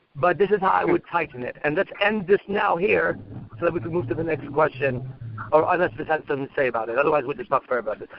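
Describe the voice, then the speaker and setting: A man at a fairly high pitch, talking at a very fast pace with lively intonation over noticeable background noise. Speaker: dating coach. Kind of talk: role-play demonstration and coaching. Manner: animated.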